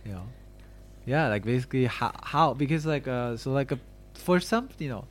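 A man's voice: mid-range voice, lively intonation, normal speed, slight background noise. A young man in a casual conversation as host, rambling along with lots of "like" and "you know". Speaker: podcast host interviewing a friend. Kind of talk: casual chat.

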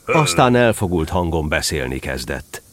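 A man's voice: extremely low pitch, very animated, background noise. A man narrating a scripted children's story expressively, as the narrator of an audio drama.

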